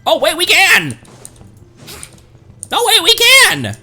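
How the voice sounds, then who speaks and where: A man streaming a game with casual, reactive and somewhat halting live commentary. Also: very high-pitched, huge pitch swings, vocal fry, bright, forceful tone, faint music behind.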